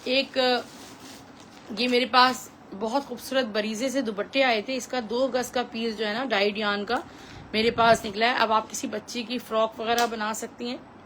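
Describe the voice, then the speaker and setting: A woman with a Pakistani accent giving a chatty, repetitive live sales pitch as a clothing seller, mixing in English phrases. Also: fairly even intonation, normal speed, fairly bright tone, a little hiss or hum, poor audio.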